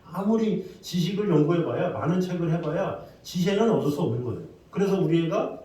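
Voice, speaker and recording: Male pastor, children's sermon, lively delivery, dark tone, distant mic in a booming church hall. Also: fairly quick. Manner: acts out story voices, asks the congregation questions. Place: church sanctuary.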